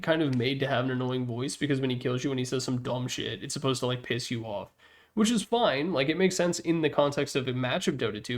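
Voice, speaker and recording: A man giving casual, opinionated commentary as the host of a ranking, talking in a rambling, blunt, slangy way. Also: medium pitch. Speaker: host ranking video game announcer packs.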